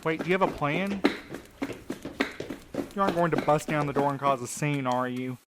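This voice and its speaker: A man's voice: fairly high pitch, moderate pace, very noisy, close to an everyday voice. A man playing a snarky, wisecracking young sidekick in an audio drama, casual and sarcastic. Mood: teasing. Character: Milo, snarky, wisecracking, caffeine-bribed young male sidekick.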